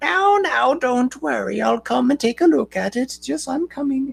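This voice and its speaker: This put-on character voice is fairly high in pitch. It moves at a moderate pace. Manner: reassuring, calling from another room.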